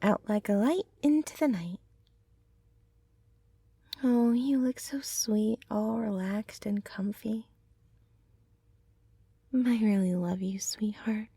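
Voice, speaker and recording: Woman as a soft, slow-talking gentle centaur girlfriend. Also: medium pitch, husky, no echo. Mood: tender, hushed. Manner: soft, tender, unhurried, rambling. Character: gentle, affectionate young centaur girlfriend, chatty home baker. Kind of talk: ASMR roleplay, soothing recipe ramble.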